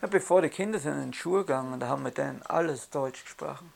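A speaker from Austria with an Austrian accent, recalling things casually in a halting way with repeated words. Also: mid-range voice, creaky, darkish tone, slight background noise. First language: German. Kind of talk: casual spoken recollection.

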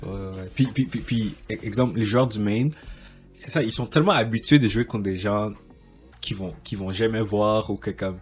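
A man's voice: on the low side, normal speed, faint music behind. A man hosting a casual soccer interview, rambling with many restarts. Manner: rambling, many restarts and fillers, laughs often. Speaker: podcast host.

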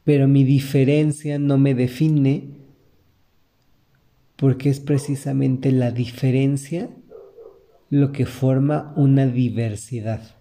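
Man, Mexican accent, podcast host, earnest motivational talk, very mellow voice. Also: medium pitch, fairly even intonation, slow, pauses often. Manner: earnest, motivational, speaks to the listener directly. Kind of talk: reflective podcast monologue.

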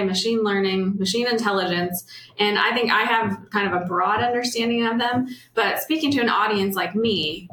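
A woman hosts the interview in an upbeat, friendly way. Her voice is mid-pitched. The room echoes, with a faint hiss behind. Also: a bit bright. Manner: upbeat, friendly, laughs easily. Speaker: host. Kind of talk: interview hosting.

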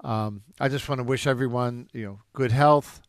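A man's voice: medium pitch, steady tone, moderate pace, dry recording, studio quality. A man who is a jazz drummer and music teacher, answering interview questions in a reflective storytelling way with frequent restarts.

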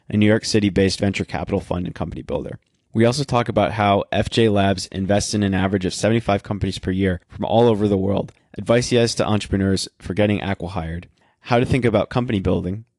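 A man's voice: fairly low pitch, darkish tone, no room sound. A man hosting an interview podcast, reading a scripted intro and asking questions in an upbeat way with short reactions. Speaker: podcast host.

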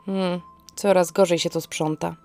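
A woman's voice: on the low side, fairly even intonation, unhurried, darkish tone, soft background music. A woman playing an exasperated, sarcastic young niece in an audio drama, with an ironic, snappish way of speaking. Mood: muttering, ironic. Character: exasperated sarcastic young niece tidying grandmother's forest cottage.

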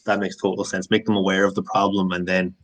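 Male fitness coach, west of Ireland accent, slightly deep voice, conversational delivery. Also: level tone, quick pace. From Galway, west of Ireland. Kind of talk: conversational question and answer.

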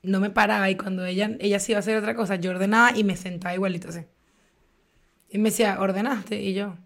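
A woman's voice: mid-range voice, quick pace. A woman with a Venezuelan accent co-hosting a podcast, telling stories in casual chat and acting out the quoted dialogue. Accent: Venezuelan Spanish. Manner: animated storyteller who acts out quoted dialogue. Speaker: podcast co-host.

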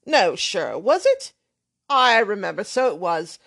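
A woman voicing a boastful, blustering young man, loud and emphatic. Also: medium pitch, sing-song, measured pace, gravelly, exaggerated voice.

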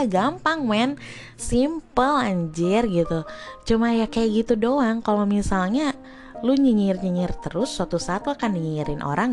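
A young woman with a Jakarta accent hosting a casual solo podcast, ranting in a chatty, slangy, exasperated way. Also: on the low side. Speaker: podcast host.

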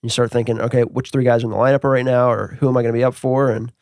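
A man hosting a casual interview, asking questions in a relaxed, friendly way. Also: mid-range voice, racing, no room sound, clean studio sound. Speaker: podcast host.

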